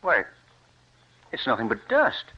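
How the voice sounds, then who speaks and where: In a muffled old 1940s radio play, an actor voices an earnest, stubborn young scientist who quits his university job to farm. His high, creaky, husky voice swoops wildly in pitch at a measured pace, and the delivery is heavily acted, earnest, and intense.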